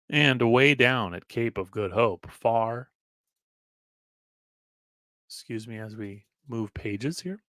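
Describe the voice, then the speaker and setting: Low-voiced man reading aloud, closely recorded. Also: bright, forceful tone, dry recording, clean studio sound. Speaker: narrator reading an old newspaper article aloud. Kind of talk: dramatic read-aloud narration of archival text.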